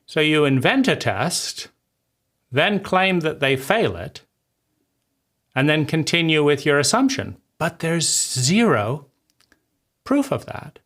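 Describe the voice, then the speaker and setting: Hosting his own channel, a man picks apart a book's argument in casual commentary, restarting sentences and tossing out a rhetorical "right?" again and again. His voice sits a little high and is very animated, with a fairly bright tone. He speaks slowly and pauses often.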